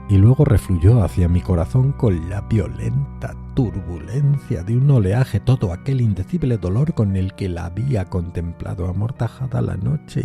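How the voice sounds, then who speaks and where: A man with a deep, velvety dark voice narrates a gothic tale over faint music. His delivery is theatrical and literary, shifting between hushed phrases and emphatic ones. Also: creaky. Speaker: podcast narrator reading a horror tale.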